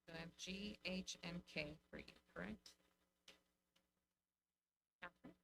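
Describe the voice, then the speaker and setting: A woman with an American accent and a lowish voice chairs a public meeting. She reports on events and moves through the agenda. There is clear background noise with a hum. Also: unhurried. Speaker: mayor chairing council meeting. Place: council meeting room.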